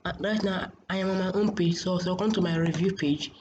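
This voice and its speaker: A woman giving a casual software tutorial in a hesitant, repetitive, halting way, as a host. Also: on the low side, fairly even intonation. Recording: muffled, noisy home screen recording.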